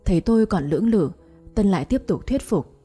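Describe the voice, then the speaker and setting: A woman reading a first-person love story aloud in a soft, reflective way. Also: mid-range voice, lively intonation, fairly quick, breathy edge, soft background music.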